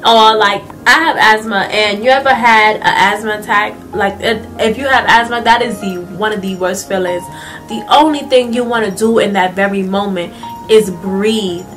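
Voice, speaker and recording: A woman's voice: medium pitch, moderate pace, distant mic, soft background music. A young woman with a congested, stuffy nose, giving a chatty motivational talk to camera with lots of fillers. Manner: chatty, animated, lots of "like" and hand gestures. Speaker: vlogger. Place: small indoor room.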